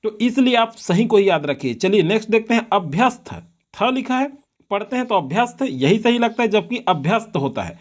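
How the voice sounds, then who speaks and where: A male teacher giving an exam-prep lesson on correct spelling, slowly repeating words to drill them. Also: sits high, expressive.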